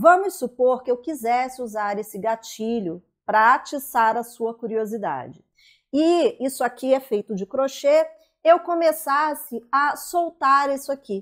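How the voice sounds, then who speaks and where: Pitched high, a woman speaks at a fairly slow pace with lively intonation. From Rio de Janeiro, Brazil. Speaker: communication and public speaking coach. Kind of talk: online lesson on content creation. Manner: casual, conversational.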